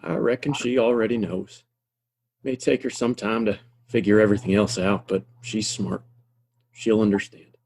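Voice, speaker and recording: Man acting folksy American Western townsman, lowish husky voice, steady, wry, kindly, plainspoken. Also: normal speed. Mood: warm, practical. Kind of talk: Western audio play acting.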